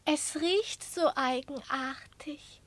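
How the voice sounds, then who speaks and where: Squeaky-high, vain little lapdog. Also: female voice, slow pace, no echo. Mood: coy. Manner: coy, affected, self-admiring. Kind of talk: radio play animal dialogue.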